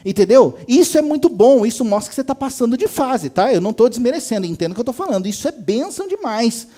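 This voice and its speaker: Animated man preaching casually. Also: quick pace. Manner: conversational, acts out quoted voices with big pitch jumps. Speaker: pastor. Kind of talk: sermon. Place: church service.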